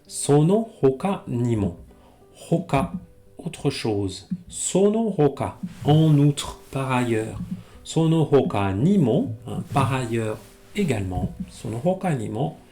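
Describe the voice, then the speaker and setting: Calm low-voiced teacher. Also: male voice, faint music behind. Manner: reads Japanese slowly, then explains in French. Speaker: Japanese teacher. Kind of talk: language lesson reading a text aloud.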